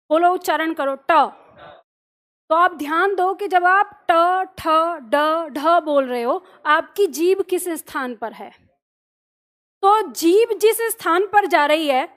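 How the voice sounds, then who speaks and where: Woman teacher, very high pitch, patient, explains step by step. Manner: patient, explanatory, often checks in with listeners. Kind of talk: classroom lesson.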